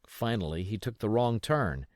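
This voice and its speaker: A man reading an adventure novel aloud as scripted, expressive, dramatic narration. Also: fairly low pitch, moderate pace, dry recording, studio quality. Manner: expressive storytelling. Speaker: audiobook reader.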